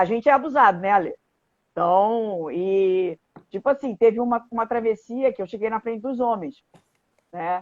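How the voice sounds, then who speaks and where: A woman's fairly high voice in a strong Carioca accent, with ordinary pitch variation and a dry, close sound free of echo. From Rio de Janeiro, Brazil. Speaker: retired open-water swimmer. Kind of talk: casual interview chat. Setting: Instagram live video call.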